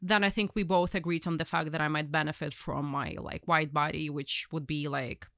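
A woman's voice: low voice, fairly even intonation, normal speed, a bit bright, dry recording, studio quality. A young woman with a Ukrainian accent, a journalist guest telling her story in casual conversation, rambling with many fillers and restarts.

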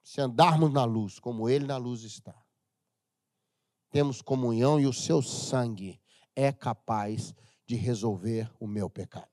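A middle-aged Brazilian man preaching a humorous, animated sermon as pastor of a church, sometimes breaking into shouts. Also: mid-range voice, measured pace, dry recording, studio quality. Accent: Brazilian Portuguese.

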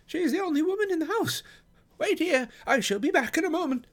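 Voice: very high-pitched, expressive, a little fast, pitched above the performer's own voice. A narrator voicing a timid, nervous, helpless man close to blubbering, in an audiobook story. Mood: nervous, hurried. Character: timid, nervous, fretful man on edge of tears.

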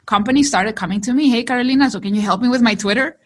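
A woman from Chile whose first language is Spanish, a digital marketer telling her story in a lively interview and laughing often. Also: on the high side, racing. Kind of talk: conversational interview.

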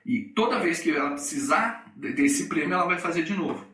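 A middle-aged man with a Brazilian Portuguese accent tells a workplace story on his coaching podcast, acting out each person in it. His voice is bright and swings widely in pitch. He sits a little back from the mic in an echoey room. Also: a little fast, far from the mic. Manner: animated, acts out the people in his stories. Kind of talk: storytelling monologue.

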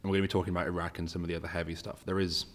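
Deep voiced guy hosting a chatty podcast, loose rambly questions, long reverb on the room. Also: little pitch movement, racing. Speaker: podcast host. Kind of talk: casual interview.

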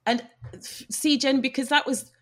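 A woman's voice: high voice, steady tone, moderate pace, fairly bright tone. A woman from Nigeria hosting an interview podcast, telling her story in a reflective, conversational way. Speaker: podcast host.

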